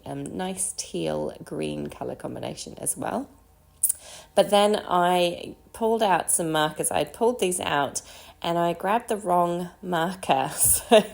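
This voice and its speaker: A woman's voice: low-pitched, gravelly, darkish tone. A woman narrating a casual card-making tutorial, chatty, with frequent ums and laughing at her own mistakes.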